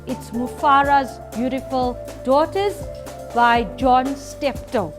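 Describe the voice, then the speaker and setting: A woman teaching a reading lesson to a class, lively and playful. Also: sits high, slow, over music. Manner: lively, switching to a playful storyteller persona.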